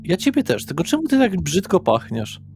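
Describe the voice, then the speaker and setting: A man's voice: medium pitch, animated, darkish tone, soft background music, natural voice. Man playing weary, chatty middle-aged dad Eryk. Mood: weary, affectionate, puzzled. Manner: halting, repetitive, chatty. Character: Eryk, weary affable father working as a psychologist.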